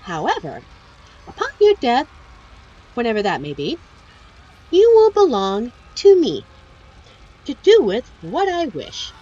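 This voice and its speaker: Woman voicing a high, swooping, teasing demon seductress. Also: wildly swooping pitch, warm tone, lo-fi sound, heavily acted. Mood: coaxing, businesslike. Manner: coy, condescending, theatrical with drawn-out teasing phrasing. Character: seductive, teasing female demon ruler bargaining for a soul. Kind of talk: scripted ASMR roleplay monologue to the listener.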